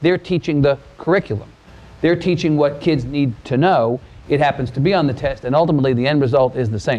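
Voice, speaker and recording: Fairly high in pitch, a man with an American accent speaks at a fairly quick pace. He has a plain, everyday voice with ordinary pitch variation. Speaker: moderator. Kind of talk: moderated political interview. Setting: stage with audience.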